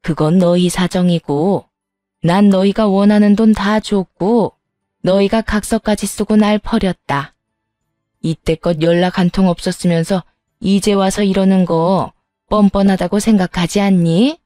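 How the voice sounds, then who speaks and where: A woman's voice: medium pitch, fairly even intonation, unhurried, mellow, no room sound, clean studio sound, soft background music, natural voice. A woman voicing an older mother-in-law who speaks in a firm, scolding, old-fashioned way. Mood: stern.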